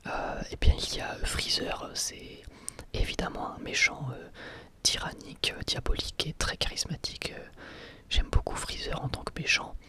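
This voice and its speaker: With lots of pauses, a man running an ASMR channel works through viewers' questions in a hushed, hesitant whisper.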